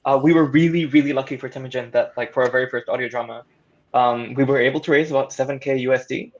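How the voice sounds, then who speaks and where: A slightly muffled, lo-fi recording of a man with a mid-pitched voice. He talks in an articulate, wordy way, stressing key phrases as he explains things on a casual panel. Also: fairly even intonation, quick pace. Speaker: audio drama producer on a panel.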